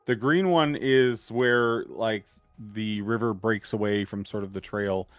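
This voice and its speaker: A man acting as game master on a streamed tabletop game, explaining with many pauses and fillers. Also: on the low side, clean tone, dry recording. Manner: hesitant, filler-heavy explaining.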